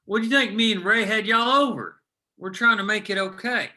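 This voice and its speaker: A man's voice: high-pitched, fairly even intonation, a little fast, pushed and bright. A man playing a blunt, exasperated union-minded coal miner at a drama script table read. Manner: blunt, clipped lines.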